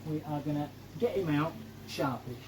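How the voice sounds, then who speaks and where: A man's voice: fairly high pitch, normal speed, noisy background. Chatty man outdoors. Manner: chatty, homely, filler-heavy. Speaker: koi keeper vlogger. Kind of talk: casual vlog narration. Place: outdoors in a back garden by a pond. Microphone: camera mic, moving between handheld and tripod.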